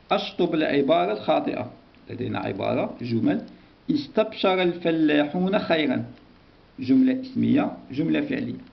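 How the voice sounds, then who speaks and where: Gravelly-voiced man teaching young children. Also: mid-range voice, dull audio. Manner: slow, repetitive, encouraging teacher talk. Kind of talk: grammar lesson for young pupils.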